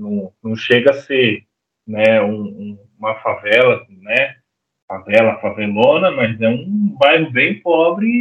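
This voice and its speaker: Speaking at a very slow pace, a man uses a medium pitch with very wide pitch swings. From São Paulo, Brazil (northwest outskirts). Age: 30s. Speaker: podcast guest, father of two. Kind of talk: casual chat.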